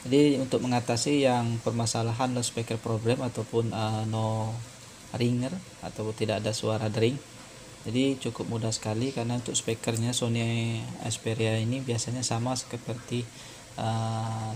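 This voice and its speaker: A man's voice: mid-range voice, level tone, moderate pace, a little mellow. A man giving an informal hands-on repair tutorial, explaining step by step in a hesitant, repetitive way. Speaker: phone repair tutorial presenter. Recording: noisy home-made recording.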